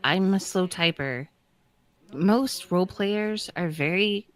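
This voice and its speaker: A woman's voice: lowish voice, takes it slowly. A woman on a podcast panel, talking casually. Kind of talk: casual chat.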